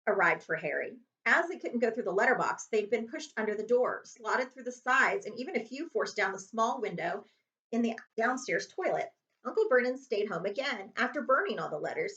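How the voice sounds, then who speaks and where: Expressive woman reading a children's book aloud. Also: mid-range voice, muffled recording. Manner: expressive, dramatic emphasis. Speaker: librarian reading aloud to students.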